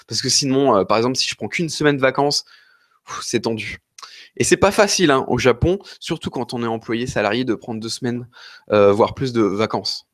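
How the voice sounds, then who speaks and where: Answering viewers' questions on a live stream, a man from France speaks in a mid-range voice at a fairly quick pace, clean studio sound, no echo. He rambles, hesitates and apologizes, and being slightly unwell, coughs now and then.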